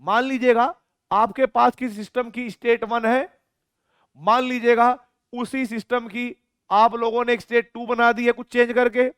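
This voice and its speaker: A man teaching a physics lecture for exam students, playfully asking questions and answering them himself, dictating definitions slowly and swinging between loud calls and soft asides. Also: very high voice, flat delivery, smooth, dry recording, clean studio sound.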